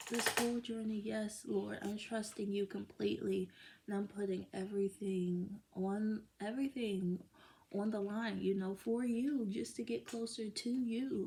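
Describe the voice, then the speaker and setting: Rambling woman with a gravelly voice. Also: mid-range voice, mellow. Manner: rambling, emotional, many fillers and restarts. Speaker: vlogger. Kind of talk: casual faith vlog, personal story.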